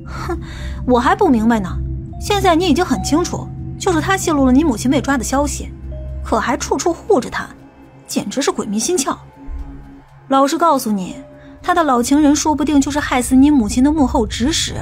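A woman playing a stern, sharp-tongued police officer in an audiobook, commanding and scolding. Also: high voice, expressive, a little fast, faint music behind. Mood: angry. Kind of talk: audiobook character acting.

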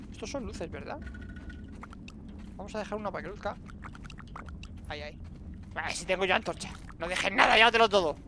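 A man's voice: high-pitched, noisy background. A man with a Spain Spanish accent giving let's-play commentary, muttering to himself and bursting into exclamations, recorded on a desk mic at home. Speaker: gaming streamer.

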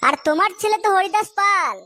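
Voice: extremely high pitch, brisk, bright, forceful tone, a little hiss or hum. A performer voicing a brash, sly small youngster in a comedy cartoon, blunt and slangy in speech. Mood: sly, mocking.

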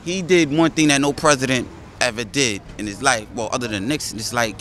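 A man's voice: mid-range voice, fairly quick, a bit bright. A man giving his opinion casually and emphatically as a passerby on a city sidewalk. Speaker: passerby interviewee. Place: outdoors on a busy city sidewalk. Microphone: handheld interview mic. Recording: noisy busy city street with traffic.

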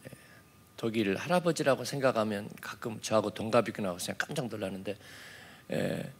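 A man preaching an early-morning sermon as a pastor in a conversational way, dotting his talk with affirming fillers and moving from soft asides to emphatic points. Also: fairly low pitch, a little fast, slightly rough. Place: church.

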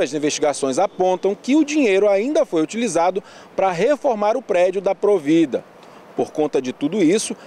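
A male reporter in his forties with a northern Brazilian accent, reading a news report in a steady, explanatory way. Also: sits high. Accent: Brazilian Portuguese, northern.

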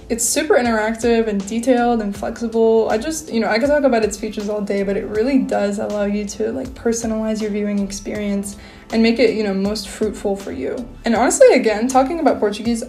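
A young woman in her twenties vlogging casually from a bedroom, chatty and full of fillers, gesturing as she talks to the camera. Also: mid-range voice. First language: English. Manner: chatty, lots of fillers, animated hand gestures. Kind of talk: casual talking-head vlog. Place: small bedroom, indoors.

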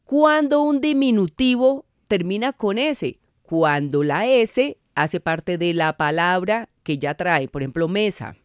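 A woman's voice: fairly low pitch, expressive, slow pace, few pauses, dry recording. A Colombian woman explaining spelling rules patiently as a guest on a radio show, speaking in a studio. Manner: patient, didactic, laughs easily.

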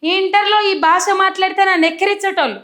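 A woman's voice: very high-pitched, steady tone, fast, a bit bright. A young woman from Telangana with a Telangana Telugu accent, giving earnest, emphatic political commentary straight to camera. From Telangana, India.

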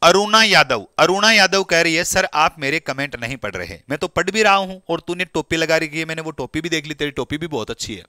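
Lively bright-voiced teacher. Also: male voice, on the high side, a little fast, few pauses, no room sound, clean studio sound. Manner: lively, coaxing, talks to students by name. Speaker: English exam teacher. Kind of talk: live online class.

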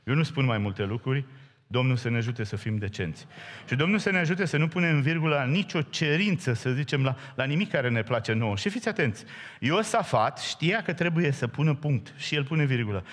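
A man preaching a sermon in a church, telling a Bible story with lively acted-out dialogue and direct questions to the congregation. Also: mid-range voice. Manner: animated storytelling, acting out biblical dialogue in raised voice. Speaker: pastor. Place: church hall. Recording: church hall reverb.

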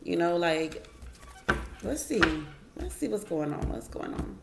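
A woman's voice: lowish voice, sing-song, measured pace, creaky, reverberant, heavy background noise. A woman giving a casual tarot reading at home, chatting to her viewers and musing over each card aloud. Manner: chatty, addresses viewers as y'all, muses over cards aloud. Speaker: tarot reader. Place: home, at a wooden table.

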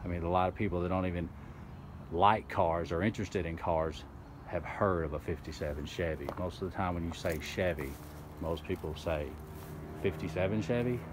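Man, very low voice, off-the-cuff outdoor narration, audible background noise. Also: normal speed. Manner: off-the-cuff, rambling with restarts. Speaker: car video host. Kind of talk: casual walkaround narration. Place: outdoors beside a house. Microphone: handheld camera, speaker off screen.

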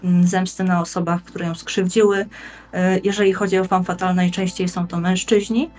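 A young woman giving a measured, articulate explanation in formal wording, as a guest in a podcast discussion. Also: lowish voice, level tone, a little mellow. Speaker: guest panelist on a role-playing games show. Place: indoors, plain room, video call. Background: music.

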